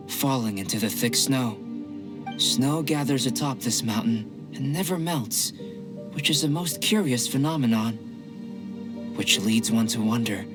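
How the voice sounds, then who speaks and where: Actor for a calm, analytical young alchemist: formal, even delivery, music underneath. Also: male voice, mid-range voice, natural voice. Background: game music.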